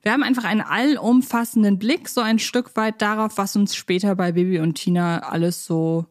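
A woman co-hosts a podcast in an easy, conversational style. She speaks at a medium pitch and sounds like a keen fan working out her thoughts as she goes. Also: fairly even intonation, brisk. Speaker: podcast co-host. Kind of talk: casual chat about children's audio plays.

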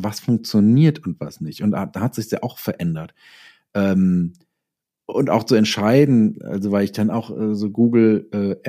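A man's voice: fairly low pitch, warm tone. A man speaking as a guest in a casual interview, thinking aloud with repeated words and self-corrections.

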